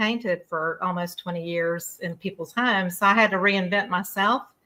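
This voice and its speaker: A woman with a Southern US accent, moderate pace and fairly even intonation. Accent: Southern twang. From US South, North Carolina. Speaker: artist. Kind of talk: interview.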